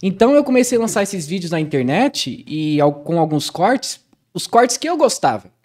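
Against a quiet background, a man with a high pitch talks at a moderate pace with very wide pitch swings. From Bahia, Brazil. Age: 20s. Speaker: seminarian and evangelical YouTuber; podcast guest. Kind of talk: podcast interview, testimony. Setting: studio. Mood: earnest religious testimony. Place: studio. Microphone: studio mic.

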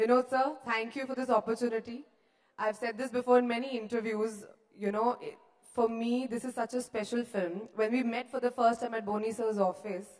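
A woman at a fairly quick pace in monotone, flat intonation, over a quiet background. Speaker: film actress at event. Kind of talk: event speech. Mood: warm, grateful, light humor. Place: stage.

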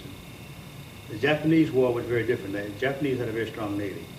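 A man talks at a moderate pace, his pitch varying in an ordinary way, while noticeable background noise continues. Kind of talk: interview answer. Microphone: camera far.

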